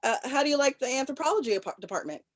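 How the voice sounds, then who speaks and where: A woman acting an awkward young student in a film script table read, halting and nervously polite. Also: sits high, animated, no echo, studio quality. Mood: awkward, friendly.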